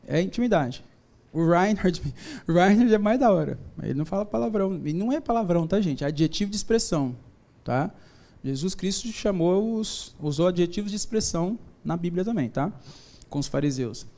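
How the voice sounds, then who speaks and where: A man's voice: high voice, expressive, a little fast, dark tone. A man giving a live motivational talk to an audience, informal and joking, mixing faith, business stories and slang. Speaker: business speaker. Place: event stage before an audience.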